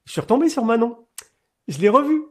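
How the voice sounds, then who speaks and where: A middle-aged man, a priest, giving a webinar talk about his own experience, telling it in an animated way with fillers and repeated words. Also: a little fast. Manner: animated storyteller with sudden rises in pitch and loudness.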